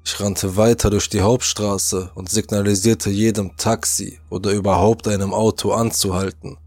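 Slow gravelly man telling a horror story. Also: lowish voice, no echo. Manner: tense, acts out shouted lines. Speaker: narrator. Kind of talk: first-person horror story narration.

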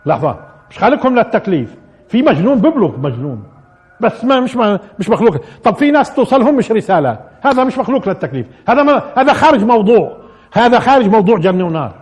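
A man's voice: sits high, breathy edge. A man giving a live religious commentary lesson, repeating key phrases and putting rhetorical questions to his listeners. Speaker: religious teacher.

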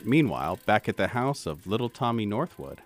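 A man's voice: fairly low pitch, big pitch swings, moderate pace, faint music behind. A man narrating scenes dramatically as game master of a roleplaying audio drama.

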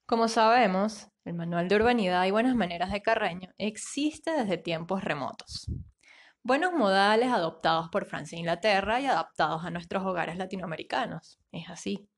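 A woman's voice: medium pitch, normal speed. A woman with a Colombian accent co-hosting a podcast, in a reflective and somewhat philosophical way, partly reading from her own essay. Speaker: podcast co-host.

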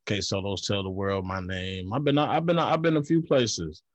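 A male co-host chats in an upbeat, friendly way. His voice sits fairly low, and the recording is dry with no room sound. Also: fairly even intonation, moderate pace, dry recording. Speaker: podcast co-host. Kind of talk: casual chat.

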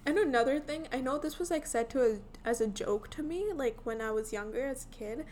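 Woman, young adult, light Indian accent, casual chat, filler-heavy, slightly high voice. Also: fairly quick, a little mellow, slight background noise. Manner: chatty, filler-heavy, many "like"s and restarts.

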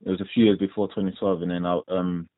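A man's voice: low voice, level tone, fast, no echo. A young man from London with a London accent, a professional boxer answering interview questions in a laid-back, rambling way full of fillers. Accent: London English. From London, England. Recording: tinny dry phone line.

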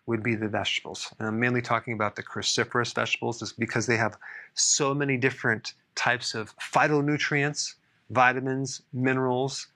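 A man's voice: mid-range voice, sharp tone. A man hosting a health podcast, explaining things casually with dry sarcastic asides. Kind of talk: solo explainer talk.

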